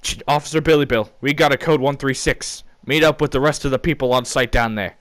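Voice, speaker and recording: A man's voice: medium pitch, steady tone, a little fast, fairly bright tone, close to an everyday voice. Man doing a curt, impatient female police dispatcher. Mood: official.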